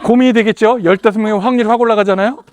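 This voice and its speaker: A middle-aged man, a head teacher, gives a lively workshop talk to fellow teachers and acts out classroom exchanges in different voices. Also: high voice, very fast.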